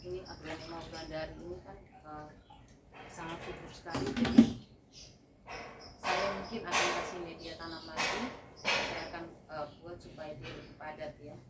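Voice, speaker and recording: A woman's voice: low voice, flat delivery, normal speed, long pauses, far from the mic. A woman grower giving a casual hands-on gardening demonstration at a plant nursery, explaining each step to viewers with many fillers. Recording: echoey, off-mic, with loud background noise.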